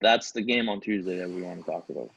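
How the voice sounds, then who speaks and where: A man's voice: low voice, fast talker, gravelly, fairly bright tone, husky. A man co-hosting a podcast, chatting casually and hesitantly about football. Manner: hesitant, stumbles over foreign names. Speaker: podcast co-host. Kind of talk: casual sports chat. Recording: dull lo-fi, dry sound.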